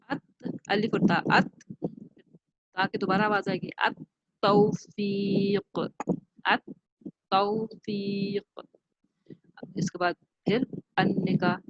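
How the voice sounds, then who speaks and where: Slow, careful Pakistani woman teacher. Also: mid-range voice, vocal fry, no echo. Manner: slow, careful pronunciation, repeating words. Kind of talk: online class lesson. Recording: dull lo-fi home recording.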